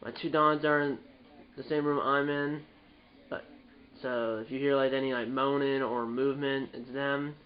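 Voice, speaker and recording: A man's voice: mid-range voice, fairly even intonation, normal speed, highs cut off. A young man with a stuffed-up, nasal voice hosting a gaming video, rambling casually with frequent restarts and self-corrections. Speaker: gaming channel host. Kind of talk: casual gameplay commentary.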